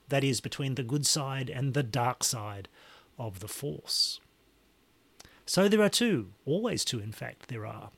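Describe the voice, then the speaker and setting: A man hosting a podcast, talking with a hoarse, raspy voice in a wry, conversational way. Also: mid-range voice, fairly bright tone. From Australia. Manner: wry, conversational, with throat clearing. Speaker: podcast host. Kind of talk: scripted solo podcast talk.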